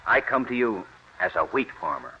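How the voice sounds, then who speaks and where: In an old radio drama, an actor plays a plant explorer pitching new wheat, an earnest, persuasive wheat farmer pleading his case. His mid-range voice is slightly rough at a normal speed, on a dull, lo-fi vintage recording.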